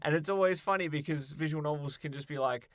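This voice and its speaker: An Australian man co-hosting a podcast, chatting casually about games in a jokey, animated way. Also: a little high, fast, no room sound, clean studio sound. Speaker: podcast co-host. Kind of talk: casual gaming chat.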